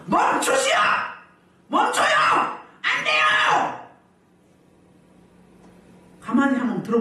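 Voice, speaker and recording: A woman pastor preaching a healing service sermon, animated, often putting questions to the congregation and laughing as she goes. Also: medium pitch, a little hiss or hum. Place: church hall. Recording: very echoey hall, mic at a distance.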